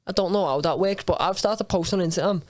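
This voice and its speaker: A man's voice: high voice, fast talker, no echo, clean studio sound. A young man with a Scouse accent from Liverpool talks as a guest on a casual podcast, slangy, emphatic and sweary. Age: young adult.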